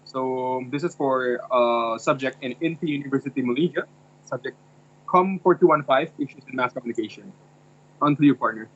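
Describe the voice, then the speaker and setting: A young Indonesian university student talks hesitantly in a casual discussion, searching for his words. His mid-range voice is fairly bright at a normal speed, and the lo-fi recording sounds dull.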